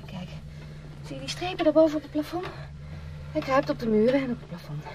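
An actress playing a determined, impatient young sister who gives curt, insistent orders in a radio play. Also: female voice, sits high, very animated, brisk, noisy background.

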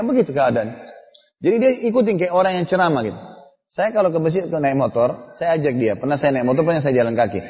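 A middle-aged man giving a religious lecture, telling family stories in a conversational way and acting out dialogue. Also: high-pitched. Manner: storytelling, conversational with quoted dialogue. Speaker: preacher. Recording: dull lo-fi audio with long hall reverb.

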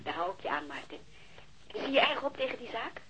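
An actress playing a detective's affectionate, gently teasing partner, heard over the telephone in a radio drama. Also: female voice, fairly high pitch, very animated, a little fast, a little hiss or hum, rough recording. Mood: teasing, interested. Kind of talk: naturalistic radio drama acting.

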